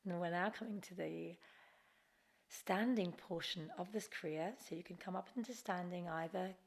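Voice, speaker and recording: A woman guiding a Kundalini yoga class as the teacher, giving gentle, encouraging, unforced instructions. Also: fairly low pitch, normal speed, creaky.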